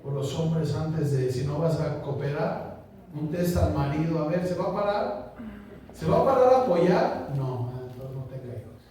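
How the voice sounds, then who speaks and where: Man, high-pitched, chatty preacher who questions the congregation, very echoey room, faint hiss. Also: lively intonation, normal speed, warm tone. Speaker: pastor. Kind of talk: conversational sermon. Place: small church. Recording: echoey church room, distant mic, faint noise.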